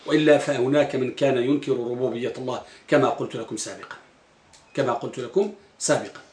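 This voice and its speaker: A man's voice: medium pitch, quick pace, a little mellow, roomy sound. A man teaching an Islamic lesson, reciting Quran verses and quizzing his listeners with questions. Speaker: religious teacher.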